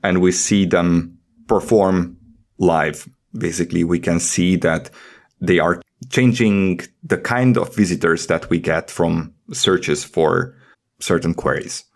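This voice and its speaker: Male podcast co-host, low-pitched, creaky delivery. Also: slow. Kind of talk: casual panel chat with some mock-dramatic reading.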